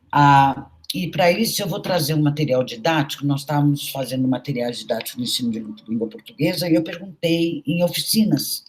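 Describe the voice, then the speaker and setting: A woman's voice: low voice, darkish tone, rough recording. A middle-aged woman, a university professor, giving a recorded lecture in an anecdotal, storytelling way with frequent conversational tags.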